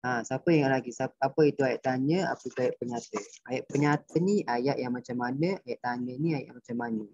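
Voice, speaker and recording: A man's voice: mid-range voice, brisk, a little mellow, no echo. A male primary school teacher with a Malaysian Malay accent, patiently explaining a grammar lesson and quizzing his pupils. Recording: dull dry lo-fi recording.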